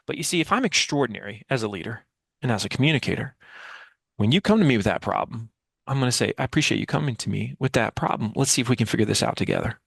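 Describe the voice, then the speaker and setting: This man in his forties, a guest on an interview who is a communication expert and author, talks fast with lively intonation in a mid-range voice that has vocal fry and a slightly rough edge. Emphatic and heavy on rhetorical questions, he explains ideas and acts out example dialogue over a video-call headset mic, with no echo.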